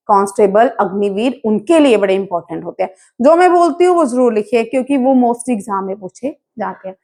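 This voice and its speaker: A woman's voice: a little high, a little mellow. A woman teaches an exam-prep lesson. She keeps asking her students questions and then answers them herself, drilling each point. English terms run all through her speech. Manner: mixes English terms into Hindi.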